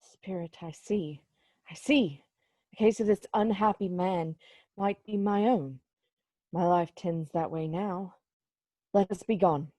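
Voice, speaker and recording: A woman's voice: lowish voice, slow, pauses often, dark tone, no room sound. A woman playing a frightened, remorseful old male miser, solemn and theatrical, in an amateur dramatised reading. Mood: shaken. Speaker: library staff reader in a play.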